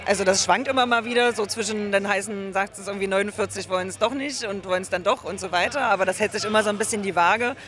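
A man answering questions in a casual interview outdoors in town, speaking in a relaxed, hedging way. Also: high voice, fast talker, hardly any pauses. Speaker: interviewee at a demonstration.

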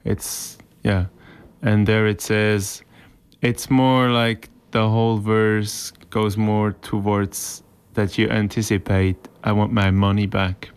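A Swiss German-speaking man, a musician, answering interview questions in a halting, casual way with many restarts. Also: on the low side, level tone, clear, resonant tone. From Switzerland. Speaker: musician guest.

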